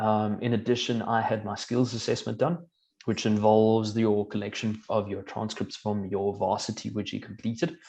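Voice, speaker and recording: A man with a South African accent talks at a moderate pace and a medium pitch. The background is quiet. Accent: sounds English-speaking South African. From South Africa, Pretoria area. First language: Afrikaans. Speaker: occupational hygienist, immigrant. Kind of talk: interview.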